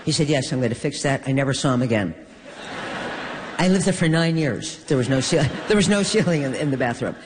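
An older woman from New York, a guest in an onstage conversation, telling stories with wry, deadpan humor. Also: extremely low pitch, a little fast, slight background noise. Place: stage in a hall. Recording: long reverb of a large hall.

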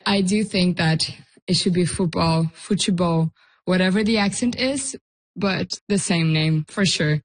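A woman from Brazil, an intern, speaking in an earnest, steady way in an interview. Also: on the low side, a little slow, poor audio.

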